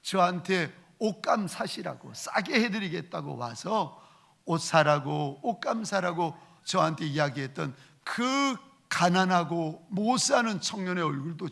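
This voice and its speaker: A male pastor telling a personal story in a sermon, acting out the voices and sinking to a hushed voice in prayer. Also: high-pitched, gravelly.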